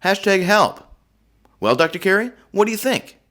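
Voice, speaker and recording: A man voicing a frantic, pleading caller in a comedy sketch, hurried and urgent. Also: sits high, sing-song, pushed and bright, full character voice. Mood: panicky. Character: frantic trapped cat-show caller, high-pitched and pleading.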